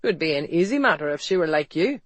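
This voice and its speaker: Storybook leading man, played by a woman: young Irish charmer, low-voiced, calm, coaxing, teasing. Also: fast, no room sound. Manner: quiet, coaxing.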